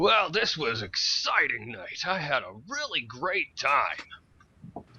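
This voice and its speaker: A man's put-on character voice, raspy and fairly high-pitched, at a fairly slow pace. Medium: actual play. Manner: folksy, reminiscing.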